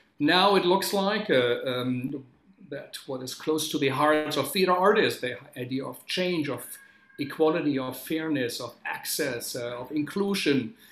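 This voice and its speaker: A man speaks with big swings in loudness, and audible room echo surrounds his voice. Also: ordinary pitch variation, fairly slow pace. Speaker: talk series host. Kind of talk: introductory remarks. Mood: earnest, reflective.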